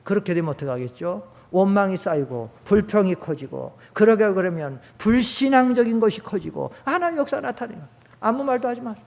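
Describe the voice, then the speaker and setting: High-voiced, emphatic man preaching. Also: expressive, fairly quick, vocal fry, in a large hall. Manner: emphatic, rhetorical questions, bursts of shouting. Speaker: pastor. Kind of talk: sermon. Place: church sanctuary.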